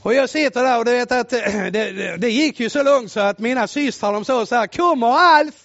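A male preacher telling a story in a sermon, loud and exclamatory, swinging from shouting to hushed tones. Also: very high-pitched, vocal fry, no echo. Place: church. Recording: muffled lo-fi recording.

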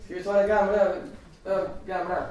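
A man's voice: high-pitched, little pitch movement, a little mellow. A man preaching a sermon, telling a story and reciting scripture with rising emphasis. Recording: echoey hall, distant from mic.

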